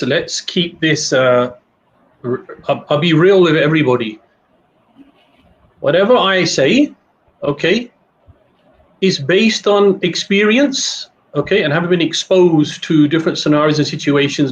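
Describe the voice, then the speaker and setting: A man's voice: on the high side, muffled recording. A middle-aged man with a Pakistani accent explaining as a guest coach, emphatic, repeating phrases and listing points over an internet call. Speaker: guest career coach and consultant.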